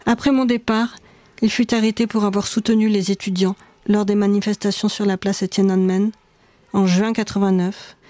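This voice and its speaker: A woman narrating her own memoir in a measured, reflective reading. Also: medium pitch, level tone, warm tone, no room sound.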